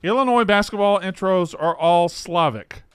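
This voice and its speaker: Male co-host, high smooth voice, joking and rowdy, dry close mic. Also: moderate pace, a bit bright, dry recording. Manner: joking, rowdy, swears casually. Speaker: podcast co-host. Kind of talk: casual chat.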